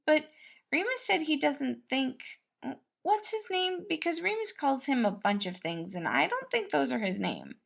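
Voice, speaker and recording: A woman voicing a kindly, eager young male palace cook in a fan-fiction audiobook, gentle, bubbly and a little hesitant. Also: sits high, very animated, a little slow, creaky, pitched above the performer's own voice, heavily acted. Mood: curious, unsure.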